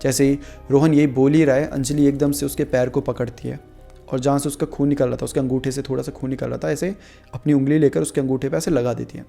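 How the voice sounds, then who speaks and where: A man's voice: medium pitch, flat delivery, fast talker, gravelly, warm tone, faint music behind. A young man narrating a horror story casually, with conversational asides to the listener. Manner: conversational, asides to the listener, mixing English words.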